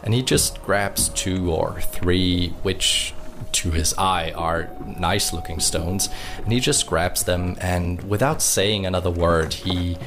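Very deep-voiced man improvising roleplay narration. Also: slow, noisy background. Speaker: roleplay podcast player. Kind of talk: improvised third-person narration of his character.

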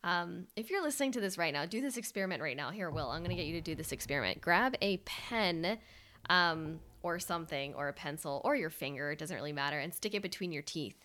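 Animated woman with a lowish voice. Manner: lively and animated, quick bursts and laughter. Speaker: podcast co-host. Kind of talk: casual podcast chat.

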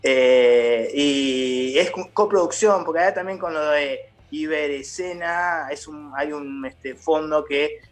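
Hesitant Uruguayan man, slightly high voice. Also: slow pace, few pauses, faint music behind. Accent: Uruguayan Spanish. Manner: hesitant, many fillers and restarts. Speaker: theatre company founder, guest. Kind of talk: casual interview chat.

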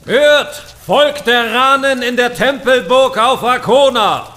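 Ein Schauspieler spielt in einem historischen Hörspiel einen strengen, siegreichen dänischen König, der feierlich und gebieterisch verkündet. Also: male voice, very high-pitched, slow pace, pushed and bright, full character voice. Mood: stern, proclaiming. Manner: solemn, declamatory, proclaiming. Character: victorious medieval Danish king, stern and commanding. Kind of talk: historical audio drama acting.

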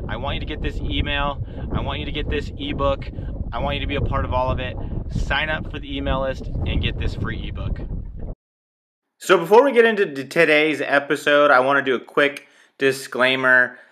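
A man's voice: medium pitch, a little fast, very noisy. A man hosting a fishing show, talking casually through a how-to with chatty fillers and repeats. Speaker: fishing podcast host.

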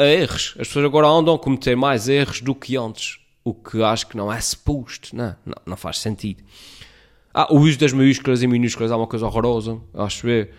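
A man with a European Portuguese accent, ranting to his viewers in a casual, rambling and sarcastic way, often restarting his sentences. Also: medium pitch. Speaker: vlogger. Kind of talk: casual talk to camera.

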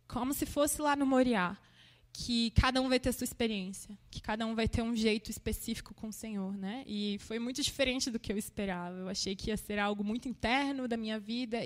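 A woman's voice: fairly high pitch, in a large hall. A woman sharing a personal faith testimony in a conversational, emotional way, often tagging her sentences with little questions. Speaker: church member giving a testimony.

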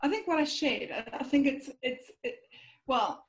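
A woman speaks openly to her coach, her voice pitched somewhat high. She thinks aloud, circling back with fillers and small hesitations. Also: lively intonation, normal speed. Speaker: coaching client. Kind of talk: reflective conversation.

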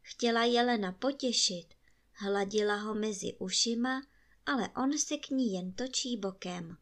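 A woman storyteller reading a bedtime fairy tale aloud in a calm, expressive way. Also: fairly high pitch.

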